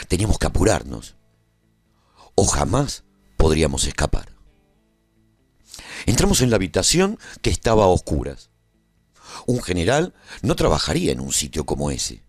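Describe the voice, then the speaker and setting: A man's voice: sits low, darkish tone, no room sound, heavily acted. A man playing a battle-seasoned adventurer, narrating his story in a scripted, dramatic first-person radio serial style.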